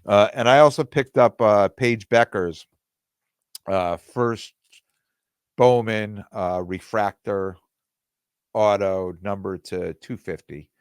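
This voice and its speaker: A man hosting his own podcast in casual, rambling talk, with plenty of fillers and restarts, and his voice going hoarse. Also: lowish voice, steady tone, slow, long pauses, no room sound, clean studio sound. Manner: quotes other people in dialogue. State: losing his voice. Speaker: podcast host.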